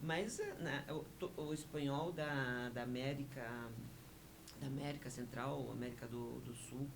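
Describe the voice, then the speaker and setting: Radio guest, woman, native Spanish speaker, measured explainer, noticeable hiss on the line. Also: extremely low pitch, vocal fry. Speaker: interview guest, honorary consul. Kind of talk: radio interview conversation.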